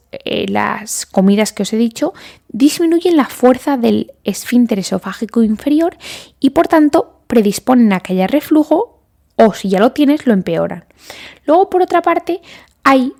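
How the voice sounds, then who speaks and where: A woman doctor hosts a casual medical podcast, explaining treatments in a conversational way, listing items, and at times acting out her listeners' questions. Her voice is a little high and mellow, with vocal fry.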